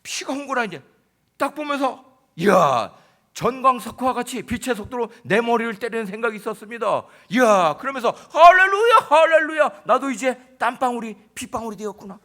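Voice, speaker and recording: A man preaching a sermon as pastor, telling a comic story that swings between loud outbursts and hushed, intense passages. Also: very high voice, a little fast. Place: church sanctuary.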